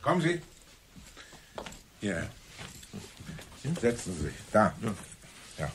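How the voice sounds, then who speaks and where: Gruff, brusque police commissioner. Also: male voice, lowish voice, sing-song, slow pace, a little hiss or hum. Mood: commanding. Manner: brusque, commanding. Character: gruff, impatient male police commissioner, middle-aged. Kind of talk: German radio crime drama acting.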